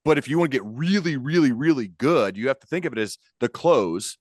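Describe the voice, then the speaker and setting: A man's voice: mid-range voice, expressive, brisk, darkish tone, slightly rough, no room sound, studio quality. A man hosting an interview podcast in an informal, emphatic storytelling manner, repeating phrases as he talks. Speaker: podcast host. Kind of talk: conversational interview.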